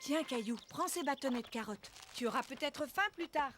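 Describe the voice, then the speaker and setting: A woman's voice: high-pitched, fairly quick, music in the background, lightly acted. A woman playing a kind, patient mother in a French-dubbed children's cartoon, with a cheerful manner. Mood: caring.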